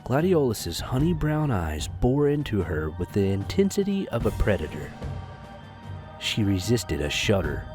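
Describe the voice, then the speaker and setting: Animated male story narrator. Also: on the low side, unhurried, soft background music. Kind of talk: expressive scripted story narration.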